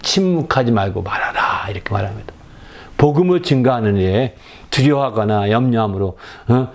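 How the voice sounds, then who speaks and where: A male pastor preaching a sermon, often prompting the congregation with quick questions and shifting between soft asides and raised exclamations. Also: mid-range voice.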